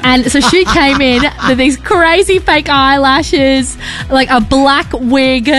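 A bubbly woman co-hosting a radio show, her voice sitting on the high side. She banters quickly and laughs often. Faint music plays under the talk. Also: fairly even intonation, a bit bright. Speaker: radio host.

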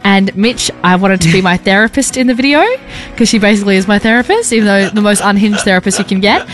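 A woman co-hosting a radio show, bubbly and laughing in breezy banter. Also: mid-range voice. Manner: bubbly, laughing, quick to gush. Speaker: radio host. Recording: radio studio with faint music.

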